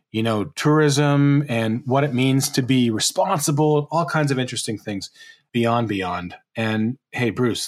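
A man hosting a podcast who asks questions, reacts briefly and reads a scripted outro. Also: medium pitch. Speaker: podcast host.

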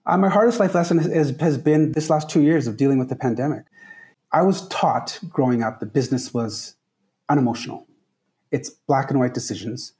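A man's voice: mid-range voice, brisk, darkish tone. A man from Trinidad, a guest on a podcast, answering questions in an earnest, emphatic way and repeating key phrases. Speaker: guest, travel company founder.

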